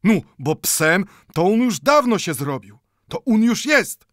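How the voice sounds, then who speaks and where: An older Jewish bookbinder is voiced by a man in an audiobook, pleading in broken Polish laced with "nu" and becoming increasingly heated. The delivery is very animated but measured in pace, mid-range and raised above the performer's natural pitch, captured in echo-free studio quality.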